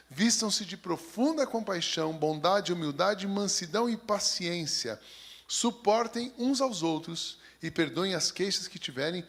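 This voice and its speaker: Paulistano pastor guy, highish voice, reads the bible then jokes around with the church. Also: a bit bright. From São Paulo, Brazil. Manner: reads scripture steadily, then chats in a folksy, joking way. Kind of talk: sermon with scripture reading.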